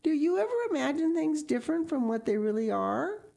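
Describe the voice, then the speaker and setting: Woman doing a high voiced little orphan girl from a storybook, wordy n earnest, really pleading. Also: lively intonation, a little slow, mellow. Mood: wide-eyed wonder. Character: thin, imploring, excitable, imaginative orphan girl.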